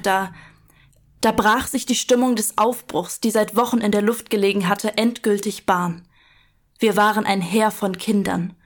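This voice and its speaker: Actress as an earnest, mid-pitched remembering crusader woman. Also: lightly acted. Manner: solemn, dramatic storytelling. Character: woman earnestly recalling her childhood crusade. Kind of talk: first-person radio play narration.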